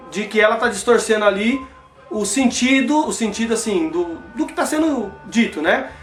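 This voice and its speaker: A Brazilian man with a high voice gives heated religious commentary, firing off rhetorical questions and exclamations at his "brothers." He sounds like he is in an echoey room, with faint music underneath. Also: fairly bright tone. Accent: Brazilian Portuguese.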